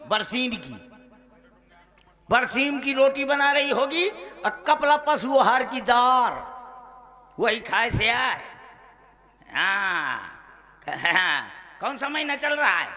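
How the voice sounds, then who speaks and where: A man's voice: extremely high pitch, bright, forceful tone. A man with a Bundeli accent doing a stage comedy monologue, wailing and laughing through it. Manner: wailing, laughing, mock-sobbing delivery. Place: outdoor village stage with music.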